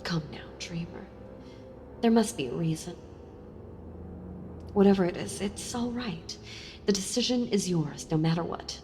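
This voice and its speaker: A woman playing a sealed-away female villain in an audio role-play, speaking to the listener tenderly, intimately and with hesitant pauses. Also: medium pitch, lively intonation, a little mellow, a little hiss or hum, close to an everyday voice. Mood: gentle, probing. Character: sealed-away female villain, wistful, softly seductive and enthralled. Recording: long reverb with music behind. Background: music.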